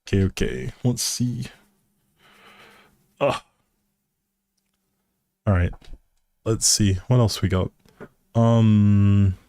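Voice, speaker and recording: A man's voice: lowish voice, fairly even intonation, drawn-out words, vocal fry, long pauses, mellow, no room sound. A man giving casual live game commentary as a streamer, musing aloud in a hesitant way.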